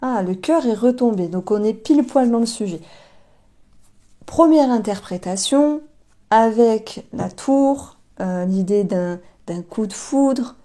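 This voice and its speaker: Speaking straight to her viewers in a mellow, medium-pitched voice, a woman does a casual tarot reading on camera, thinking out loud in a chatty, hesitant way.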